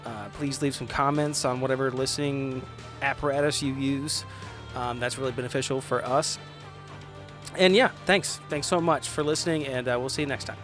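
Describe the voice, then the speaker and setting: A man's voice: medium pitch, steady tone, normal speed. Upbeat male podcast host over faint music. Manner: upbeat, friendly, informal. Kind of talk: casual podcast outro.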